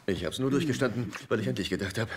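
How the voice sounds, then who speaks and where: An actor playing a needy, eager, awkward middle-aged man in a German-dubbed sitcom, plaintive and excitable. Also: lowish voice, rapid-fire, natural voice. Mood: sheepish. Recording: noisy TV soundtrack with clicks.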